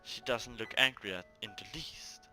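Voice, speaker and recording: A man's voice: mid-range voice, moderate pace, pushed and bright, soft background music. A man hosting a gaming video, reading a visual novel aloud with casual commentary, often stumbling and repeating words.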